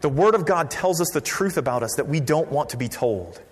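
Male pastor, conversational sermon, very expressive pitch, lots of room reverb. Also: a little fast, slight background noise. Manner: conversational, lively, drops to quiet for emphasis. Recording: long reverb of a large hall.

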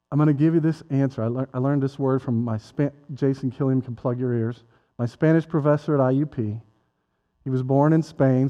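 A male pastor delivers a casual, conversational sermon, tossing joking asides to people in the pews. His voice is warm and mellow, and the recording sounds a little dull and lo-fi. A long hall reverb trails behind every line. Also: mid-range voice.

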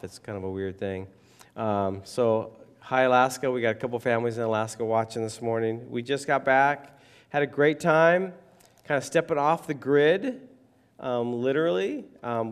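A man with a hoarse, froggy voice preaches in a relaxed, rambling way, full of ums and asides. His voice is of ordinary pitch for a man. The sound carries a long reverb, as in a church hall. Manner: rambling, conversational, many fillers. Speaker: pastor. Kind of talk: casual sermon.

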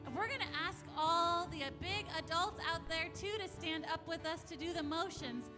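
A woman's voice: very high voice, moderate pace. A woman leading children at church, giving simple, encouraging instructions like a kindergarten teacher. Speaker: children's song leader at church. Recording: music behind the voice.

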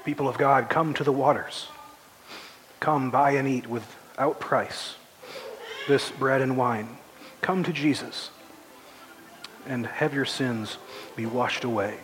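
A man's voice: mid-range voice, slow pace, long pauses, fairly bright tone, a little hiss or hum. A male pastor leading prayer and preaching, earnest, with frequent "uh" hesitations. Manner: frequent "uh" hesitations, earnest and lifts voice reading scripture. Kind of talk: sermon and prayer. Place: church sanctuary. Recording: reverberant church hall, faint ambience.

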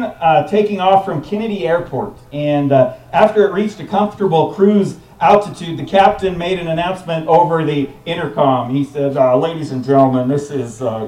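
A man's voice: medium pitch, mellow, echoey room, recorded from a distance, poor audio. A man pastor preaching outdoors in a park, casual, with frequent fillers and restarts. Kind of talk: outdoor sermon.

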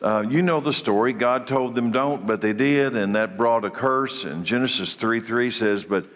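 A man's voice: medium pitch, normal speed, fairly bright tone, in a large hall. A congested man leading a church Bible study, preaching in a conversational way that often restarts his phrases. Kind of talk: church teaching session.

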